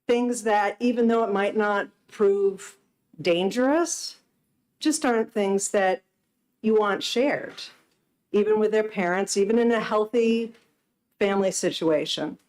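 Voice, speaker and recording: Measured woman giving formal testimony. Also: mid-range voice, darkish tone. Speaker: social worker testifying at a hearing. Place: legislative committee hearing room.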